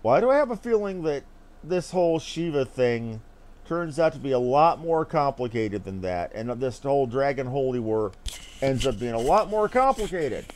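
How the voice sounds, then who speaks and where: A man's voice: medium pitch, very animated, moderate pace, darkish tone, slight background noise. A man giving casual, informal livestream commentary as he plays a game, with joking and some swearing. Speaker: game streamer.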